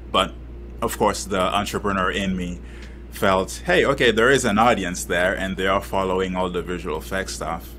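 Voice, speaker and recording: Very deep and low, the man's voice has a bright, sharp tone, vocal fry and very wide pitch swings at a moderate pace, with light background noise. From Haiti. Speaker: company founder, visual effects artist. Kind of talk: casual interview. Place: office. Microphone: studio mic.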